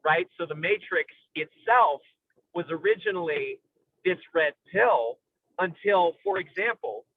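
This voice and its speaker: Tinny narrow-band audio, male speaker, fairly high pitch, bookish vocabulary, halting delivery, analytical film chat. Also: expressive, a little hiss or hum. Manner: intellectual, academic vocabulary. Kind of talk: analytical film discussion, conversational. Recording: tinny phone-like radio-style sound.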